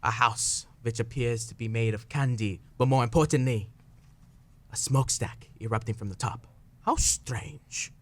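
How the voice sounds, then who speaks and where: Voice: mid-range voice, moderate pace, close to an everyday voice. Hansel, played by an actor, a terse, ominous boy hunter. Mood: ominous, intent. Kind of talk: live student radio play acting.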